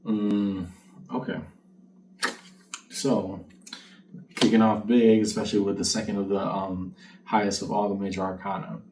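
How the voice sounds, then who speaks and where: A man hosting a casual tarot reading, talking to the viewer in a conversational, reflective way. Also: lowish voice. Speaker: tarot card reader and channel host. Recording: distant mic with faint background noise.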